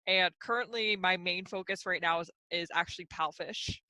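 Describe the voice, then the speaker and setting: A young woman in her twenties talks casually on a video call about her teaching. Her voice is very bright and dry, with no room around it. She sounds relaxed and easygoing. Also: fairly low pitch, moderate pace, no echo. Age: 20s. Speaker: online ESL teacher.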